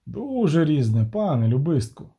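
A man voicing a shrewd, gruff male dwarf banker who talks frankly and cynically in an audiobook. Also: a little high, sing-song, normal speed, mellow, heavily acted. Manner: worldly, cynical, frank talker.

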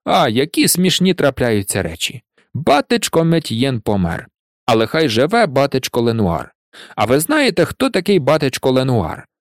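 A man's voice: huge pitch swings, normal speed, no echo, clean studio sound. A man doing a wheedling old peasant gravedigger. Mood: cajoling. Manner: cajoling, higher and louder than the narration. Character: old cunning peasant gravedigger, chatty, pleading.

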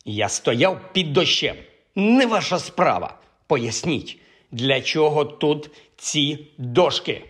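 A man's voice: fairly high pitch, lively intonation, slow pace, fairly bright tone. A man reading an audiobook, voicing a vain, sulky young male wizard who complains irritably. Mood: irritated. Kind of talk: audiobook character voice.

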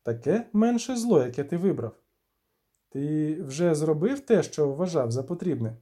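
A man voicing a stern male town headman who gives blunt, barking commands, in a dark-toned audiobook reading. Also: fairly high pitch, lively intonation, a little slow.

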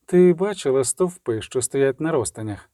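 Cold proud sorceress, sharp-tongued, man reading her lines. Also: mid-range voice, lively intonation, normal speed, no room sound, studio quality, close to an everyday voice. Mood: bitter accusing.

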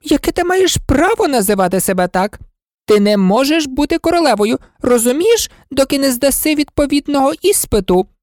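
A woman voicing the Red Queen, an imperious and impatient queen who scolds and commands, in a storybook reading with a high, loud voice. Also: expressive, normal speed, no room sound, studio quality. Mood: scolding. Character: bossy, imperious older queen.

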